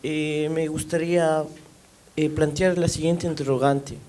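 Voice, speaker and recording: A man's voice: fairly high pitch, level tone, measured pace, dark tone, slight background noise. A man from Ecuador asking a question from the audience at a university panel, earnest and emphatic. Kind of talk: public Q&A question. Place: university lecture hall.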